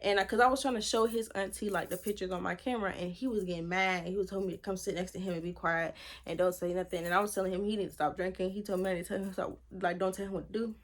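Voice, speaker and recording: A woman telling a personal story to her viewers in a casual vlog, animated and slangy, speaking to them directly. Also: medium pitch. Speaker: storytime vlogger.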